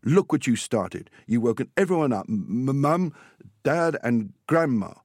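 A man's voice: medium pitch, lively intonation, unhurried, a little mellow, slightly rough, dry recording, studio quality, pitched above the performer's own voice. A man reading a storybook as an earnest, proud young boy who stammers. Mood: reproachful. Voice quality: stammering on words and sounds.

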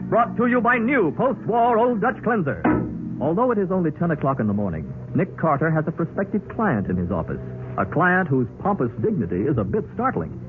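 A man's voice: sits high, narrow, tinny audio. A man announcing and narrating a scripted 1940s radio detective program. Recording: band-limited old radio, music behind.

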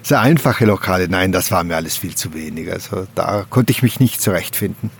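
A man from a mountain valley in South Tyrol, speaking outdoors in a slow, reflective way and often pausing to search for words. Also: deep voice, expressive, vocal fry, husky. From Gröden valley, South Tyrol, Italy. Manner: slow, thoughtful, searching for words with frequent hesitations. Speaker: interviewee. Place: outdoors on a mountain slope by a wooden hut.

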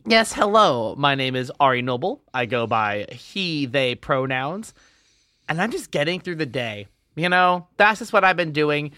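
A young adult man co-hosting a casual podcast, teasing and wry with deadpan jokes. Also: fairly high pitch, a little slow, dry recording, clean studio sound. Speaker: podcast co-host. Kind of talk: casual chat.

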